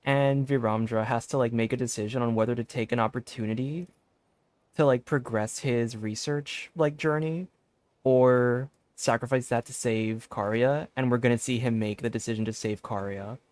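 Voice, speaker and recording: A man's voice: medium pitch, steady tone, moderate pace, darkish tone, no room sound. A man giving casual gameplay commentary as a streamer on a close mic. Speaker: game streamer. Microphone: close mic, dry. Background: faint game music.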